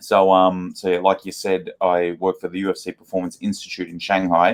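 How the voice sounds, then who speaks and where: A man talks at a fairly quick pace with an Australian accent. His voice is very deep and low, with monotone, flat intonation. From Australia, outside Melbourne. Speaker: sports nutrition scientist. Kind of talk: podcast interview. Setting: in-person studio.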